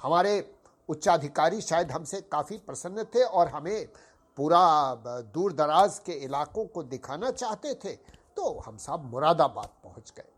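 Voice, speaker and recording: An older man from Uttar Pradesh with a sore, hoarse throat, hosting a podcast and telling a story in a formal, courteous way, addressing his listeners as sahib. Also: a little high, animated, measured pace. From Uttar Pradesh, India. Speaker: podcast host. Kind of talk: slow reminiscing storytelling.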